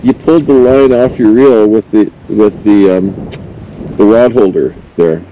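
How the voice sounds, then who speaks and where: A man's voice: on the low side, unhurried, dark tone, muffled recording. A man hosting a fishing vlog from an open boat, chatting in a teasing, upbeat way. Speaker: fishing guide and host. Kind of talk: casual vlog chat. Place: open boat on a windy lake. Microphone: action camera on the boat. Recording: wind and boat motor noise.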